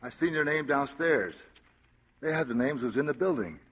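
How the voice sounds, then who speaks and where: A man's voice: medium pitch, animated, moderate pace, noisy background, close to an everyday voice. A man playing a huge blunt ex-con. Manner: ungrammatical tough-guy talk. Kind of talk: 1940s radio acting. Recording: dull old radio broadcast.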